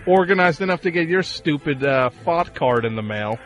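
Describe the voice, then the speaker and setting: A man in his forties hosting a call-in radio show, teasing a caller with mock indignation and a deadpan delivery. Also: fairly high pitch, moderate pace. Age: 40s. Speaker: radio host. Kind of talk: sarcastic call-in radio banter. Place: radio studio.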